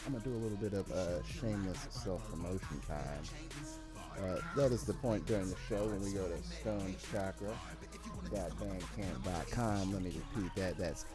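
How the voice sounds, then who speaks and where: A man's voice: low voice, normal speed. A man hosting a casual solo podcast, rambling and repeating himself in a stoned way. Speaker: podcast host. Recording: music playing behind the voice. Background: music.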